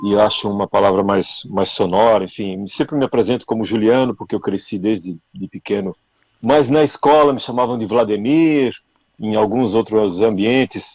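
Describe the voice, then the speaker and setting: A man with a Santa Catarina accent, fairly low in pitch, at a moderate pace with ordinary pitch variation. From southern Brazil, Blumenau, Santa Catarina. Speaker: sailor, sailboat captain. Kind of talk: casual interview chat.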